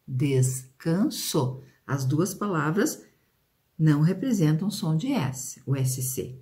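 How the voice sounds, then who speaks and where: A Brazilian Portuguese-accented woman teaching children, sounding out words slowly and prompting the class with questions. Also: low voice, lively intonation, dark tone. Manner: slow, drawn-out pronunciation of example words; questions and prompts aimed at pupils. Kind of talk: video lesson for children.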